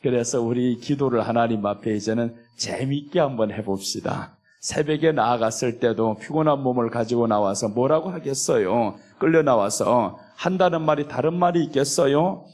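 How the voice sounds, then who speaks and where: A man's voice: medium pitch, moderate pace, hardly any pauses, a little mellow. A man, a pastor, preaching a sermon and acting out imagined talks between God and believers in different voices. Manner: acts out conversational prayers and God's replies in shifting voices.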